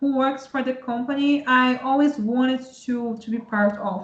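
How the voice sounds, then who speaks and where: A woman with a Portuguese accent speaks at a moderate pace in a high pitch with ordinary pitch variation. Audible room echo surrounds her voice. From Brazil, São Paulo state. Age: 20s. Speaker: data scientist. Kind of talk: conference talk. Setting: online virtual event. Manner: halting, many fillers.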